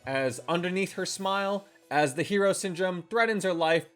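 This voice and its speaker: A game reviewer narrating a scripted video in an expressive, tongue-in-cheek way. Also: mid-range voice, normal speed. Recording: voice-over with faint music underneath. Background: faint background music.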